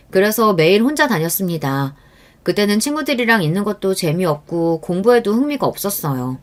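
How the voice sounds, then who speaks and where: A woman reads a first-person true-life story aloud. Her manner is reflective and measured throughout. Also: lowish voice. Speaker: narrator.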